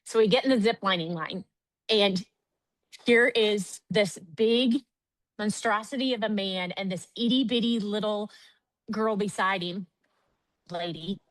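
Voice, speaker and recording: A woman giving an energetic, chatty sales training talk, often calling her audience "guys". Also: mid-range voice, measured pace, long pauses, no echo, poor audio. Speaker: network marketing trainer.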